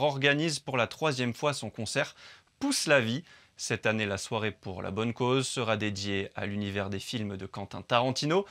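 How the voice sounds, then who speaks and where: A man reading short scripted cultural news items in a crisp, even newsreader manner. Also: medium pitch. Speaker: news presenter for culture briefs.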